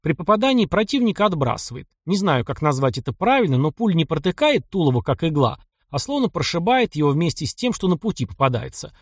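A man reading the lines of a cocky, sharp-tongued young male taiga hunter in an audiobook. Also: fairly high pitch, big pitch swings, fairly quick, few pauses, no echo, clean studio sound, pitched above the performer's own voice. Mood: explaining. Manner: cocky, sarcastic retorts.

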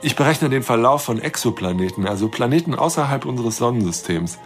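An actor playing a lonely, shy, trusting astronomer in an intimate radio drama monologue, speaking haltingly and earnestly. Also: male voice, mid-range voice, expressive, faint music behind, lightly acted. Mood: earnest, tentative.

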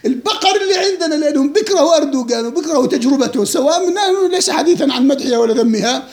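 A man's voice: extremely high pitch, animated, racing, reverberant. A man giving an informal lecture, mocking and laughing often and quizzing his listeners. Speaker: lecturer leading a book discussion.

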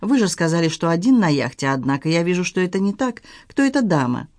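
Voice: medium pitch, big pitch swings, quick pace, darkish tone, no room sound, clean studio sound, close to an everyday voice. A reader voicing a dutiful male police officer who talks formally and a little apologetically in an audiobook. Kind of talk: audiobook dialogue reading.

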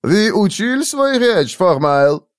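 Shrill, fussy tutor in an audiobook put on by a man: scolds in broken grammar. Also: big pitch swings, takes it slowly, smooth, no echo, clean studio sound, exaggerated voice. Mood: scolding. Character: shaggy fussy male hypnosis tutor, scolding.

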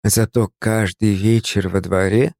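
A man reading a novel aloud as an audiobook narrator, calm and measured. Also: on the low side, creaky, no room sound, clean studio sound.

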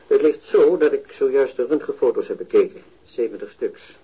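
An actor playing a middle-aged, evasive doctor in a radio drama, hesitant and dryly pedantic, heard on a taped playback. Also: male voice, medium pitch, lively intonation, moderate pace, husky, dull audio. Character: evasive, pedantic male physician, dryly cautious.

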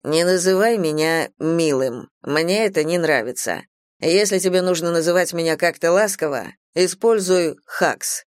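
Woman reader doing a stern male businessman, measured, dry studio sound. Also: a little high, smooth, dry recording, natural voice. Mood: curt. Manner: blunt, commanding. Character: curt, demanding young businessman.

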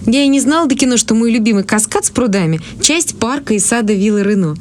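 A woman's voice: on the high side, lively intonation, fast, slight background noise, natural voice. An actress playing an eccentric, forthright young woman in a radio drama, chatty and idealistic. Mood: wondering. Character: eccentric, earnest, fearless young woman fighting evil.

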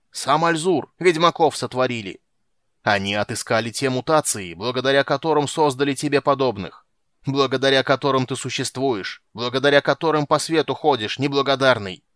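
A man voicing a cranky old male sorcerer who shouts and scolds in a shrill, petulant voice. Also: dry recording, clean studio sound.

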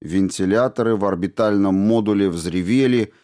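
A man reading a story aloud in a steady, measured narration. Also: lowish voice. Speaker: audiobook narrator. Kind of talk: scripted narration.

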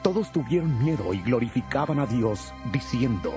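A man with a husky voice giving solemn scripted narration for a dramatized audio Bible. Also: medium pitch, sing-song, moderate pace, over music. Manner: solemn storytelling.

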